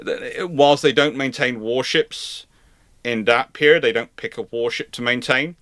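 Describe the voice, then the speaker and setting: A man answers questions as host of a live history talk. His mid-pitched voice is bright and crisp-edged, recorded dry and close. He explains emphatically, often interrupting himself to rephrase. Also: a little slow, no room sound.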